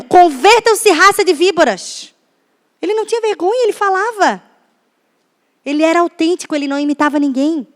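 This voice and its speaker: A woman pastor from Brazil preaching a sermon in a church, often turning to the audience with questions in a chatty way. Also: sits high. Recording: echoey church hall.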